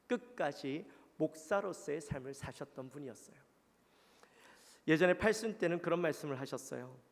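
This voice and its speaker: With a fairly high, animated voice at normal speed and some vocal fry, a male pastor speaks in a Gyeongsang Korean accent. He questions his congregation throughout an earnest, conversational sermon, his words ringing with the long reverb of the sanctuary.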